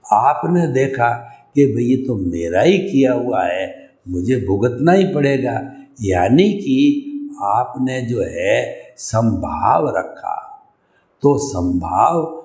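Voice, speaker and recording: A man giving a slow, deliberate spiritual lecture, explaining ideas step by step and mixing in English words. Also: medium pitch, sing-song, a little mellow, reverberant. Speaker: spiritual teacher.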